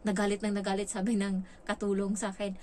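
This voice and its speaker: A woman's voice: medium pitch, completely flat delivery, fast talker, mellow, slight background noise. A woman from the Philippines vlogging casually and frankly about her work as a domestic helper abroad. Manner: chatty, frank, acts out quoted lines. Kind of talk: casual storytelling vlog.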